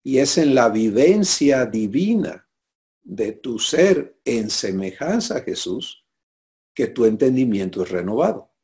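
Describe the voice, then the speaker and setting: A man's voice: medium pitch, very animated, takes it slowly, darkish tone. A man preaching a sermon, teaching and often asking listeners for assent. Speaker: pastor.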